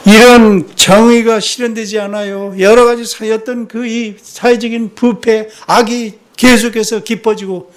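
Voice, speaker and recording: A man's voice: sits high, little pitch movement, a little slow, hardly any pauses. A man who is a missionary, preaching a sermon in a church. He keeps asking the congregation rhetorical questions and drops in short "yes" interjections. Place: church sanctuary.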